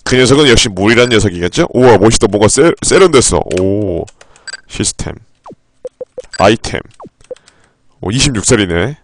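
A man live-streaming a game playthrough. He reads the in-game text aloud in a low, flat voice and breaks into sudden, profane outbursts. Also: moderate pace, pauses often, slight background noise.

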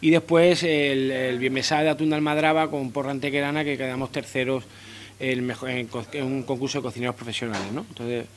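A man's voice: medium pitch, steady tone, fairly quick, a little hiss or hum. A man in his thirties, a chef, answering interview questions in a restaurant dining room into a handheld mic, often repeating words and restarting. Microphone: handheld interviewer mic held close.

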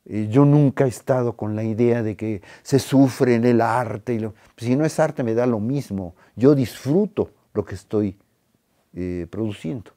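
A man's voice: medium pitch, a little slow, warm tone. A man, a film critic and author, giving interview soundbites emphatically, with restarts and fillers.

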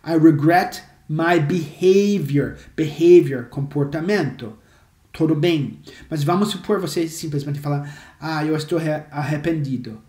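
A man who is a native English speaker teaching English, explaining phrases slowly and repeating examples for drill. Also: fairly high pitch, a little mellow. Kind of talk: language lesson to camera. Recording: echoey room.

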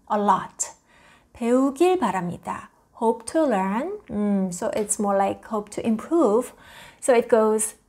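A woman in her thirties teaching a language online, explaining patterns patiently and slowing down for translations, recorded on a lapel mic in a small home studio. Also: on the high side. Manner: patient, explanatory, slows down for English glosses.

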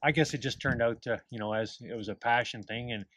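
A man's voice: medium pitch, steady tone, fairly quick, a bit bright, no echo. A middle-aged man telling a rambling story about his barn outdoors, with plenty of fillers and chuckles. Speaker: barn owner. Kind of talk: casual storytelling. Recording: outdoor camera audio with clear background noise.

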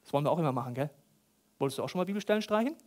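A man with a fairly high voice delivers a sermon in a church hall. He is animated and provocative, acting out the prayers and voices he quotes, then driving his points home. He talks straight to the congregation. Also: very fast. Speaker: pastor.

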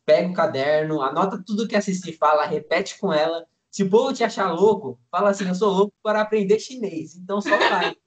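A man's voice: high-pitched, a little fast, few pauses. A nineteen-year-old man, a language student, talking casually on a video call from home, easygoing and enthusiastic, a bit rambling. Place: room at home, indoors. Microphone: computer mic on a video call.

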